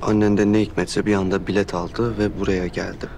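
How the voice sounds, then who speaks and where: An actor playing a stern, protective young man who speaks in a flat, guarded way. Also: deep voice, a little fast, vocal fry, a little hiss or hum. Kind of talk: television drama acting. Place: hotel meeting hall.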